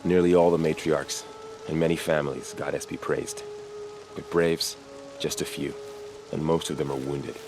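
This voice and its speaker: A man playing an earnest, battle-weary young tribal warrior in a video game, solemn and deliberate. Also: extremely low pitch, steady tone, music in the background. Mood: somber. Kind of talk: video game cutscene acting.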